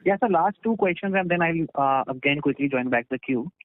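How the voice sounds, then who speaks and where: A man's voice: on the high side, animated, fairly quick. A man with an Indian accent, an analyst politely putting questions on a conference call in an unscripted way. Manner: polite, interjects short acknowledgements. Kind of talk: earnings call questioning, spontaneous. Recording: muffled dry conference call line.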